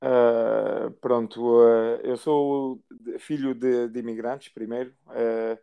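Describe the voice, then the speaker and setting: Coach guy in his 40s, from portugal grew up in france, talks in stops and starts, flat tone, really clear voice. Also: mid-range voice, highs cut off. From Portugal, raised in France. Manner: halting, many fillers and restarts. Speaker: basketball assistant coach, guest. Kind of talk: interview answers.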